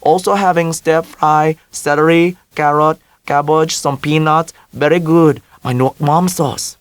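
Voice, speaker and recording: Man voicing a stubborn older mother, Vietnamese accent, broken English, high, dry audiobook. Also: steady tone, measured pace, smooth, no room sound, close to an everyday voice. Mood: insistent.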